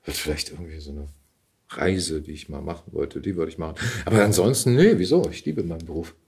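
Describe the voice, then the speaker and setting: A middle-aged man speaking as an interview guest in casual conversation, reflective and halting as he searches for words. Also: deep voice, expressive, a little mellow, breathy edge.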